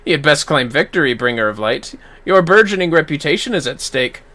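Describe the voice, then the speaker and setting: A man voicing a courteous, eloquent warrior-mentor from a fantasy game, measured and grand in archaic phrases. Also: fairly high pitch, animated, bright, forceful tone, pitched below the performer's own voice.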